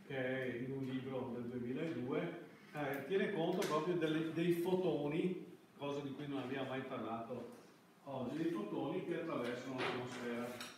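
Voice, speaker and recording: Echoey, halting male lecturer, distant mic. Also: mid-range voice. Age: middle-aged. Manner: halting, searching for words with repeated false starts. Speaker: university lecturer. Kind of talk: classroom lecture with slides. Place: indoor classroom. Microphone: far camera microphone. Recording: echoey classroom, distant mic, background hiss.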